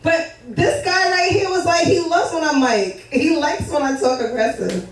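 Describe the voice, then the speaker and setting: A loud, laughing woman with a New York accent banters as co-host of a live talk show. She sits back from the microphone in a very echoey studio, with a faint hum of ambience behind her. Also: high voice, normal speed, far from the mic. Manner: loud, laughing, talks over others.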